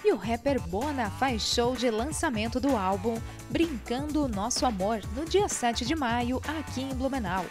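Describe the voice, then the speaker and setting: A woman's voice: a little high, moderate pace, hardly any pauses, music in the background. Woman reading arts announcements. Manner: steady read announcements. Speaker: TV presenter. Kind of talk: scripted news narration.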